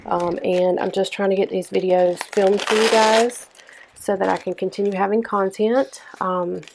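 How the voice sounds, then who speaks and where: A young woman with a hoarse, stuffed-up voice chatting casually through a planner-decorating vlog. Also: mid-range voice, fairly even intonation, noisy background. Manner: chatty, lots of ums, unhurried. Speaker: planner vlogger. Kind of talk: casual plan-with-me narration.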